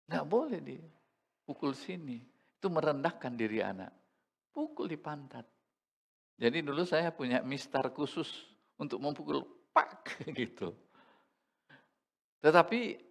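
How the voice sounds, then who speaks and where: Gravelly, animated male pastor preaching. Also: medium pitch. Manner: conversational preaching with humor and asides to the congregation. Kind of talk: Sunday sermon. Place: church service.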